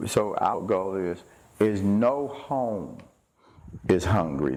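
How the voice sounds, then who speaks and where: A man speaks very slowly at a fairly low pitch with ordinary pitch variation. The room echo is audible. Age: 60s. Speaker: pastor. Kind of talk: documentary interview.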